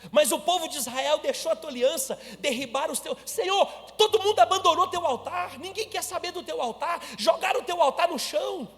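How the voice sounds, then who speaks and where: A man's voice: extremely high pitch, animated, a little fast, hardly any pauses, fairly bright tone, in a large hall, voice pushed up. A man voicing a despairing, lonely old male prophet who pleads in a strained, raised voice.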